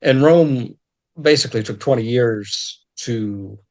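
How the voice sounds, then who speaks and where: A man talks as a historian guest in an unscripted conversation. His explanations are detailed and scholarly. He often restarts phrases, and his pitch jumps up when he stresses a point. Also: takes it slowly, darkish tone.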